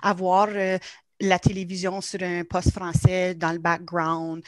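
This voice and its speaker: A woman's voice: on the low side, little pitch movement, a little slow, no echo. A woman with a Franco-Ontarian French accent talking reflectively on a video call, mixing in English words. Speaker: panelist. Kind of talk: casual video-call discussion.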